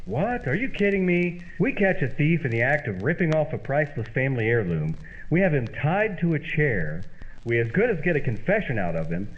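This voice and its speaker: A man playing an emphatic, declamatory amateur sleuth and pitchman in an old-time radio comedy. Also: big pitch swings, fairly quick, narrow, tinny audio. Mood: exasperated.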